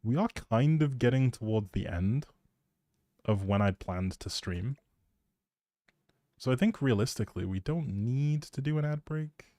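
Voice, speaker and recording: A man chatting casually on a live game stream, informally thinking out loud as he goes. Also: mid-range voice, expressive, unhurried, long pauses, no echo, clean studio sound.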